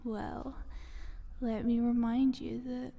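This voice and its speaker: A woman playing a sly, taunting eldritch monster in a soft, breathy, half-whispered ASMR roleplay. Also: on the high side, level tone, heavily acted. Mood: sly, playful. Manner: slow, teasing, condescending.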